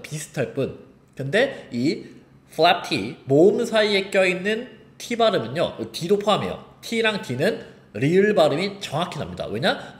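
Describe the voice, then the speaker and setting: Male online teacher, fairly high and very animated, pronunciation lesson, roomy echo. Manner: lively, explains and demonstrates sounds. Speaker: English teacher.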